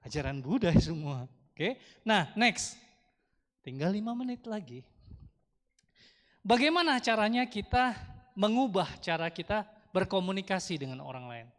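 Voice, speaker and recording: Lively man speaking in an echoing temple hall. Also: high-pitched, normal speed, long pauses. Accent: Indonesian. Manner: lively, chatty, asks the audience questions. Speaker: Dharma talk speaker. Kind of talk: casual Dharma talk to a temple congregation. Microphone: handheld microphone through speakers. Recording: long hall reverb from speakers.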